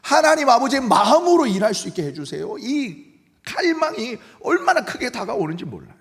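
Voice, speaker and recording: A man's voice: very high-pitched, big pitch swings, fairly quick, creaky, fairly bright tone, in a large hall. A middle-aged man with a Gyeongsang accent, preaching a sermon as senior pastor, acting out quoted voices and dropping to near-whispers. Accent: Gyeongsang Korean. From Gyeongsang region of Korea.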